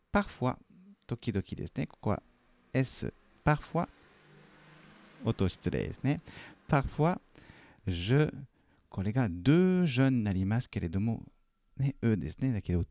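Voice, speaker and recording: A man teaching French in a lesson video, patiently correcting a student's homework and repeating French phrases slowly and carefully. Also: fairly low pitch, vocal fry, dark tone, no room sound.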